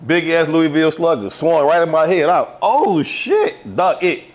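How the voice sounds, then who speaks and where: A man co-hosting a podcast, telling a profane, animated story from his youth with voiced quotes in casual chat. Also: a little high, a little fast, lo-fi sound, a little hiss or hum. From Chicago South Side. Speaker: podcast co-host.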